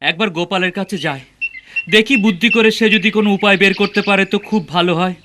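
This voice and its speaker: A man's voice: high voice, steady tone, fast, over music, lightly acted. A man voicing a meek, nervous clerk in a comic cartoon, hesitant and deferential in manner. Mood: meek, relieved. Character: nervous, guilty clerk, meek and gushingly grateful. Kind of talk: dubbed comic cartoon dialogue.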